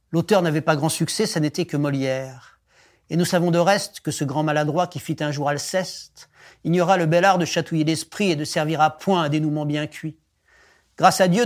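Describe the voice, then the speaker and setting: A man with a notably high voice recites poetry in a measured, expressive declamation. He sets up the poem with a short introduction before he begins.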